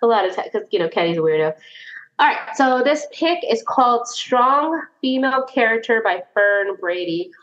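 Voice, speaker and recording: A woman's voice: on the high side, expressive, normal speed, a bit bright. A woman co-hosting a book podcast, talking casually and chattily, laughing often and swearing now and then. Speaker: podcast co-host. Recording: echoey room, dull lo-fi sound.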